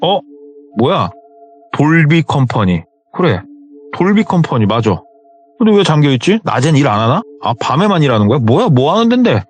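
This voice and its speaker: A man's voice: on the high side, big pitch swings, normal speed. A man voicing a young male night-shift security guard who talks back sharply. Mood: puzzled.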